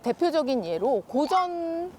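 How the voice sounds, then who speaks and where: A woman's voice: high-pitched, big pitch swings, a little slow, a little mellow, a little hiss or hum. A woman guest author explaining her points expressively in a talk-show interview, often with rhetorical questions. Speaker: guest children's literature author.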